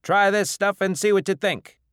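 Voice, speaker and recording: A man voicing a gruff, suspicious alien bartender who bellows bluntly in an audiobook. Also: high voice, moderate pace, a bit bright, no room sound, clean studio sound, pitched above the performer's own voice. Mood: brisk, commanding.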